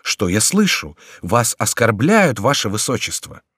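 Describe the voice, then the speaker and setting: A timid court musician, voiced by a male reader, sounds flustered and indignant. His voice stays near the reader's own, lively in pitch, recorded close and dry. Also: a little slow, breathy edge, dry recording, full character voice. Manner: flustered, stammering.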